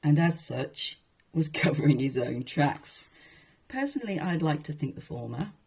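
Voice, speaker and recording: A woman's voice: low-pitched, big pitch swings, normal speed, a little mellow, husky. A woman speaking informally as she presents and reads from old texts, in a conversational, wryly amused manner. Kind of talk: informal talk with read-aloud passages from a historical book.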